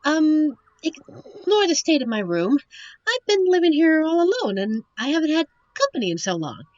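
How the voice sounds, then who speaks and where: A woman's voice: sits high, sing-song, normal speed, darkish tone, dry recording, highs cut off. A woman playing a sheltered young princess in a fantasy audio drama, fussy, eager and melodramatic. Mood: anxious, eager. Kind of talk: fantasy audio roleplay acting.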